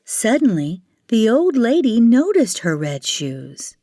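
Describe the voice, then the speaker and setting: A woman tells a children's fairytale slowly and dramatically, with a very lively rise and fall. The sound is close and dry, with faint music behind her. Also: a little high, no room sound. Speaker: storyteller. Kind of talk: expressive children's fairytale narration.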